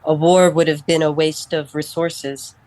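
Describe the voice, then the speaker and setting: An actress voicing a calm, literal-minded female android who served as a household steward, speaking in a measured, matter-of-fact way. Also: deep voice, no echo, low-quality recording. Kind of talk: radio drama acting.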